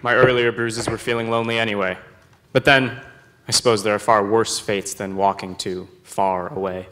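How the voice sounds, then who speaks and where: A man's voice: fairly low pitch, little pitch movement, moderate pace, background noise, close to an everyday voice. A young man playing an adventurous, stubborn pilot who tells his story wryly in a radio play. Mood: wry recounting. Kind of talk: first-person radio play narration and dialogue. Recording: loud sound effects and ambience behind.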